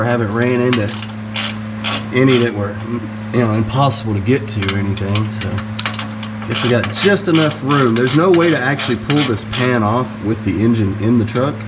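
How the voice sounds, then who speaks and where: A middle-aged American man casually explaining a hands-on repair in a folksy, conversational way. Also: mid-range voice. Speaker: DIY mechanic vlogger. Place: hot space around a truck, fan running. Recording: loud fan noise behind voice. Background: fan noise.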